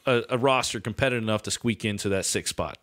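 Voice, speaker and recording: A man's voice: on the low side, fast talker, a bit bright. Casual guy co-hosting a podcast. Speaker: podcast co-host. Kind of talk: casual sports podcast banter.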